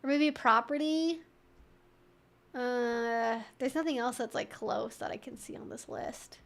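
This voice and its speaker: A woman's voice: a little high, a little slow, creaky, fairly bright tone. A woman hosting a live Q&A stream, thinking aloud in an informal, chatty, wry and opinionated way.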